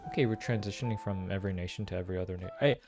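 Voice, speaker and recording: A man hosting a casual reaction video, thinking aloud in slangy, excitable commentary. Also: sits low, very fast. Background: faint music.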